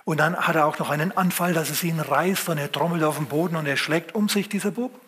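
A man with a fairly high, husky voice preaches a sermon. He retells a scripture story with vivid storytelling, lively sound words and dramatic pauses.

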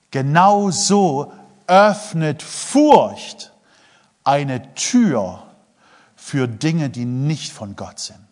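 German preacher man in a reverberant hall. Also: mid-range voice. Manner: lively preaching, swings between quiet asides and loud emphasis; jokes with the congregation, asks them questions. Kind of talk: sermon.

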